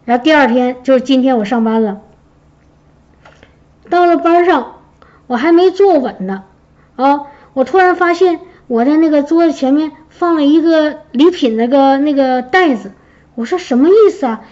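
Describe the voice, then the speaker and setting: A church member giving a testimony shares her personal story with her congregation, telling it in a lively, animated way and acting out quoted speech. Her voice is high-pitched, mellow and warm, at a moderate pace, and the recording sounds dull and lo-fi.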